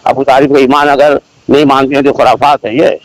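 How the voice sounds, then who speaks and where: A man speaking as a Muslim cleric in a phone debate, defending his position haltingly and repeating himself. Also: mid-range voice, little pitch movement, no room sound. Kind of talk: religious debate on a phone call. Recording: noisy phone call recording.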